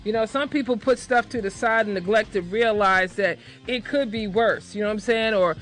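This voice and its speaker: A woman's voice: mid-range voice, normal speed, a bit bright, faint music behind, low-quality recording. A woman hosting a radio show from the studio mic, chatty and upbeat, teasing her guest. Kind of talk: casual radio talk. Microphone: studio microphone.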